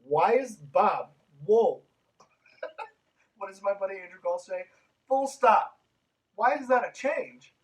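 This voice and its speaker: Male podcast host, fairly high voice, reads then riffs with profane sarcasm; sits a little away from the mic. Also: distant mic, low-quality recording. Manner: sarcastic, swears freely, reads then interrupts himself. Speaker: podcast host reading and commenting on a book. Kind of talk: casual commentary while reading aloud.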